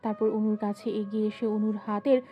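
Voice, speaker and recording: A woman narrating a scripted romantic story in an expressive storytelling manner. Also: medium pitch, a little fast, highs cut off. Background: background music.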